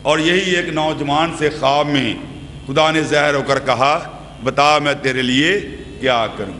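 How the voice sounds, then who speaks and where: A man's voice: fairly high pitch, fairly even intonation, a little slow, pushed and bright. A middle-aged man preaching a sermon at a podium, asking the congregation questions and gesturing broadly. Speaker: pastor. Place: church hall with brick wall, indoors. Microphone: podium microphones. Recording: reverberant church hall with faint hum.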